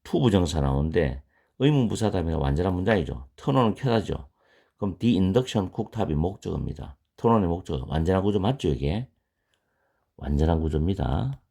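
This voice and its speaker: A man with a very low, gravelly voice teaches an online English grammar lesson. His tone is dark and a little husky, and he speaks English words with a Korean accent. He patiently repeats key words slowly so they can be practiced. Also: big pitch swings.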